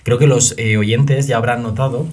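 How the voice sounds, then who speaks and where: A young man from Spain with a Spanish accent, hosting a podcast interview in a measured, friendly way. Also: mid-range voice, fairly even intonation, darkish tone. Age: young adult. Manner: friendly, measured, frequent fillers. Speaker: podcast host. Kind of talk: conversational interview.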